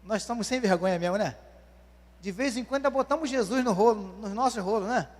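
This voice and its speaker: A pastor with a high voice delivers a quick-paced sermon, calling the congregation "dear ones" and questioning them. The church hall adds a long, lingering reverb.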